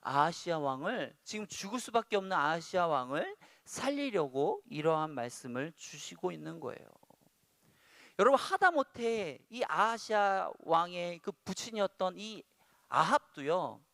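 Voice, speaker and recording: Korean pastor preaching, dramatic swings. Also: male voice, high voice, big pitch swings, moderate pace, creaky, dry recording. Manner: swings from quiet reading to loud acted outbursts. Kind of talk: sermon.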